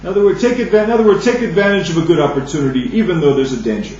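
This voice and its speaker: Halting man teaching in a very echoey room. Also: fairly high pitch, darkish tone. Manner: halting, restarts phrases, reads Aramaic then explains in English. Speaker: Talmud teacher. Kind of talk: daily Talmud study lesson. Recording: distant, dull lo-fi mic in an echoey room with faint hum.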